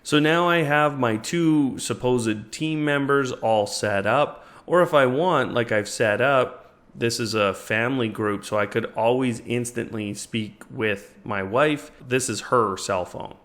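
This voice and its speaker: Narrating a step-by-step product demo, this man, a tech reviewer and tutorial host, explains the setup casually. His voice is medium in pitch and fairly bright in tone, a little slow yet with hardly any pauses.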